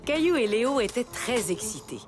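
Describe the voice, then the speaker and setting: A woman playing a gentle storybook narrator, telling a children's cartoon story expressively. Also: on the high side, big pitch swings, moderate pace, over music. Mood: storytelling.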